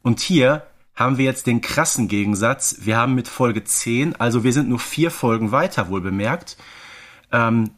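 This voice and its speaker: Male co-host, circa forty, average-pitched voice, conversational podcast analysis. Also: moderate pace. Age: around 40.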